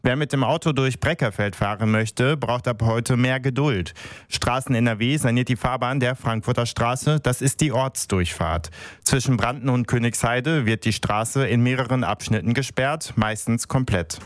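A man reading the regional radio news in a brisk, matter-of-fact way. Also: medium pitch, no echo. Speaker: local news presenter.

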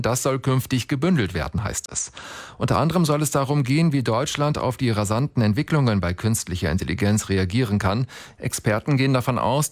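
A man reading the morning radio news as anchor, steady and measured, handing over to a reporter. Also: lowish voice. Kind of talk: read radio news bulletin.

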